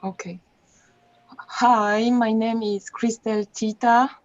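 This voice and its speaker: Woman, calm careful intro, muffled zoom audio. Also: a little high, takes it slowly, no echo. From Cameroon. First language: French. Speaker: IT intern in mock interview. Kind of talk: formal self-introduction. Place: home room on video call. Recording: muffled video call audio.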